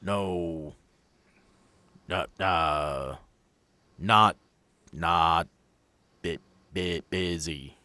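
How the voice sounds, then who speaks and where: A man voicing a friendly ghoul father in a tabletop game, groping for words in broken, halting speech. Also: low-pitched, bright, forceful tone, no echo, pitched below the performer's own voice, heavily acted. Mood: halting, searching.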